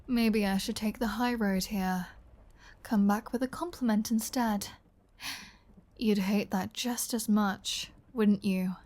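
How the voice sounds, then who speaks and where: Actress as a flirty female vampire, unhurried pace, mid-pitched, playful menace, sardonic teasing, intimate ASMR roleplay delivery. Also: fairly even intonation, a little mellow, natural voice. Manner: teasing, sardonic, drawling, drops into breathy whispers. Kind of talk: ASMR audio roleplay, intimate scripted acting.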